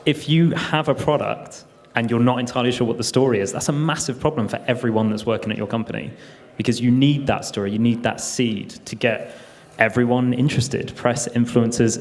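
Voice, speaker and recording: A man's voice: mid-range voice, fairly even intonation, fairly quick, a little mellow. Emphatic man on a panel. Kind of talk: conference panel talk. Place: conference stage.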